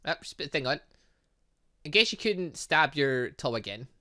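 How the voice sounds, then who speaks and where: A man's voice: a little high, sing-song, moderate pace, pushed and bright. A man commentating a game he is playing, rambling and cutting himself off with chuckling asides. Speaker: gaming streamer. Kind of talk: let's-play commentary.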